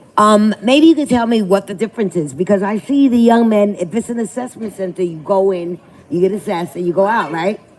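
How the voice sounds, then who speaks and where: Over noticeable background noise, a woman talks at a fairly quick pace, her fairly high pitch showing ordinary pitch variation. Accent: American. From Brooklyn, New York. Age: 60s. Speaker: community resident speaking at town hall. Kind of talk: public comment at town hall. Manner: halting.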